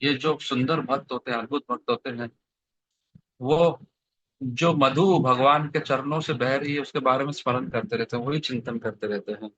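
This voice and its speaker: A man's voice: medium pitch, normal speed, fairly bright tone, no room sound. A man giving a devotional scripture sermon over an online video call, telling stories and asking his listeners questions. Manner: storytelling, asks the audience questions. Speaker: scripture speaker. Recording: dry, slightly dull online call audio.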